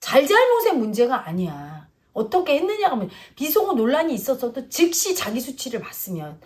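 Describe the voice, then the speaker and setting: A woman's voice: high-pitched, huge pitch swings, brisk, darkish tone. A middle-aged woman giving a casual spiritual talk, lecturing and acting out quoted voices. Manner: lecturing, acts out quoted voices, drifts between plain and polite speech. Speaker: spiritual teacher.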